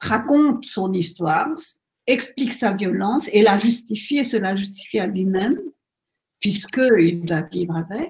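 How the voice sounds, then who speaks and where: The voice is somewhat breathy, with lively intonation. It moves at a fairly slow pace. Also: woman, medium pitch for a woman. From Mauritius. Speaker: novelist. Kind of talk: interview.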